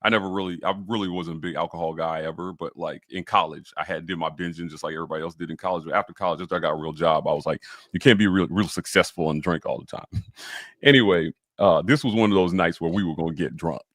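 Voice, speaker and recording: A man tells a story on a podcast in a relaxed, low-pitched voice. He laughs easily and acts out the people in his story. The sound is close and dry, with no room around it. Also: fast talker, dry recording. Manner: animated, laughs often, quotes others. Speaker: podcast co-host. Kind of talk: casual storytelling.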